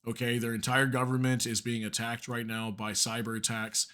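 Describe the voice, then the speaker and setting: A news channel host with a medium-pitched voice reads articles aloud in casual online news commentary, his delivery completely flat, moderately paced and sharp. He's chatty, full of fillers and asides, and losing his voice because he's under the weather.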